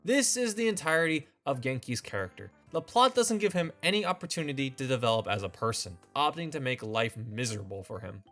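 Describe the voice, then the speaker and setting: A man's voice: medium pitch, very animated, fairly quick, hardly any pauses, fairly bright tone, soft background music. A man hosting a scripted commentary video, opinionated with a wry, sarcastic edge. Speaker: video essay host.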